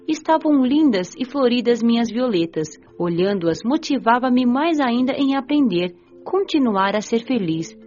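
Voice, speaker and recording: A woman with a Brazilian accent playing a gentle, eager young spirit who narrates her story in an audio drama. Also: a little high, expressive, a little slow, few pauses, muffled recording. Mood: tender, reflective.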